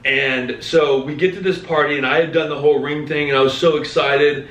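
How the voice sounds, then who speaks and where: A man in his thirties co-hosting a podcast, telling a story in a lively, casual way. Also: fairly high pitch, a little fast. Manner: animated, acts out quoted voices. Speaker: podcast co-host. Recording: echoey room, mic at a distance.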